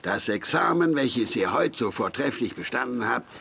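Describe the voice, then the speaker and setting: A man's voice: medium pitch, normal speed, gravelly, a little hiss or hum. An actor playing a jovial old frontier gunsmith, hearty and teasing with his young friend. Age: older. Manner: hearty, teasing, rising excitedly. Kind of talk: radio play acting.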